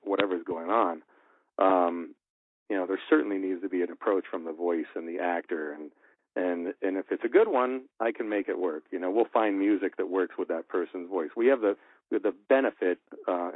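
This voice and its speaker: A man's voice: low voice, no room sound. A man who works as a radio producer and engineer, giving candid, explanatory voice-acting advice with many fillers. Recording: tinny phone-like line, dry.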